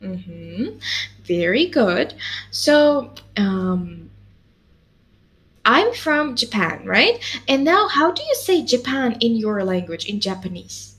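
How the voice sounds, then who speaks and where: Patient woman tutor, lively and slow. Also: fairly high pitch. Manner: patient, encouraging, lots of mm-hmms and checks. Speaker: language teacher. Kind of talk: one-on-one language lesson.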